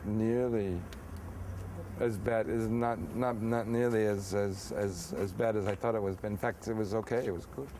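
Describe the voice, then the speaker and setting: Easygoing American man with a low voice. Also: fairly even intonation, normal speed, warm tone, slight background noise, rough recording. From United States. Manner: easygoing, rambling, with many fillers and restarts. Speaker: interview guest. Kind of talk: casual documentary interview.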